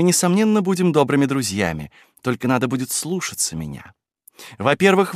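A man's voice: mid-range voice, no room sound, clean studio sound, voice pushed up, natural voice. A man reading aloud and voicing a chattering, flighty young society wife of twenty-one who bosses a boy around. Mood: eager, bossy. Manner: chattering, excitable, bossy.

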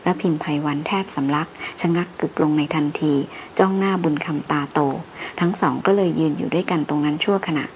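A woman narrating an adventure novel as an audiobook in a steady storytelling way. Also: sits low, fairly quick, hardly any pauses, a little hiss or hum, low-quality recording.

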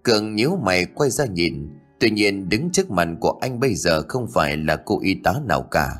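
A man's voice: low-pitched, expressive, normal speed, fairly bright tone. A man reading a ghost story as scripted narration, voicing the characters' lines in a lightly shifted voice. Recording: faint music behind.

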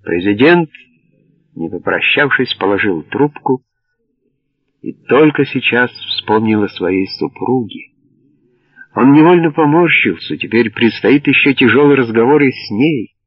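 A man reading a novel aloud as an audiobook narrator, in a measured, even way. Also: fairly low pitch. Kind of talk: scripted narration. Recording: dull lo-fi dry audio.

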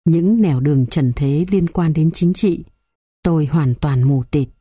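Woman reading a calm old monk, gentle and humble, low mellow voice, dry sound. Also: unhurried, husky, dry recording. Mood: reflective.

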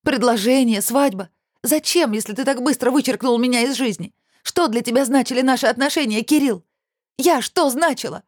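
A furious young ex-fiancée whose voice rings high and sharp as she shouts her hurt, stubborn and proud, put on by a male audiobook reader. Her tone stays hot with indignation and near tears, a storybook drama. The dry, close recording carries no room at all. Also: animated, fast, no echo. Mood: indignant. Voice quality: ringing raised voice. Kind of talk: audiobook character reading.

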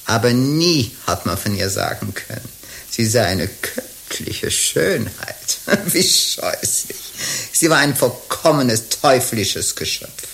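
An actress playing a sly, earthy older Gypsy procuress queen in a radio drama, gravelly, teasing and theatrical. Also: extremely low pitch, sing-song, takes it slowly, a bit bright, full character voice. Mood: mocking, musing.

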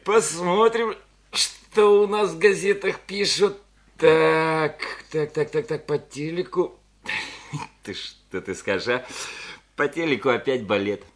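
An actor playing a middle-aged townsman and father, bustling and businesslike, quick to give advice in a radio play. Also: fairly high pitch. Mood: brisk. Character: brisk middle-aged townsman, head of family.

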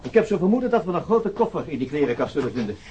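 An actor playing a courteous, methodical police detective with dry humour in a radio crime drama. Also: male voice, fairly high pitch, very animated, rapid-fire, warm tone, muffled recording, a little hiss or hum. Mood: dryly amused. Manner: methodical, dryly humorous.

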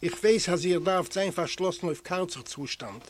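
A man reading aloud voices a warm, fatherly prison guard who speaks gently and a little louder than the narration. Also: sits high, moderate pace. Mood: kindly.

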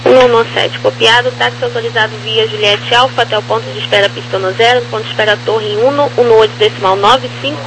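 A woman's voice: fairly high pitch, fairly even intonation, quick pace, few pauses. A Brazilian woman working as a ground air traffic controller, giving clipped procedural instructions over aviation radio. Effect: crackly aviation radio. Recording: noisy crackly aircraft radio channel.

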